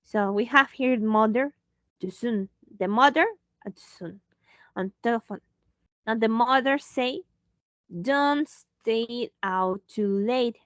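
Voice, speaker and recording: Woman English teacher, slow and patient delivery, fairly high voice, dull dry call audio. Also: dry recording. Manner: slow, patient, switching into Spanish to explain. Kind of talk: online English lesson.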